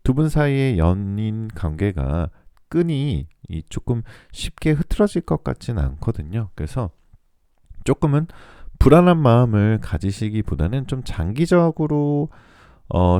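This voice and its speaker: A man reading tarot for listeners in a soothing, polite, measured radio-like style, his voice still recovering from a throat cold. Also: medium pitch, very animated, dark tone, clean tone, no echo, studio quality. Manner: soothing, polite, measured delivery meant to lull listeners to sleep. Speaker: tarot reader and channel host.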